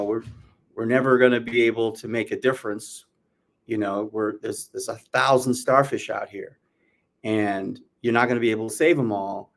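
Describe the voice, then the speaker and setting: Middle aged guy, kinda low voice, chatting and telling stories as a guest, casual and reflective. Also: creaky. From born in Jamaica, raised in New York from age four. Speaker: interview guest, former news anchor.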